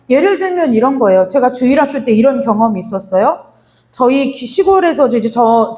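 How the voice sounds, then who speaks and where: A woman's voice: sits high, darkish tone. A middle-aged woman pastor preaching a sermon, telling a story to her congregation and acting out its lines of dialogue as she speaks to them directly.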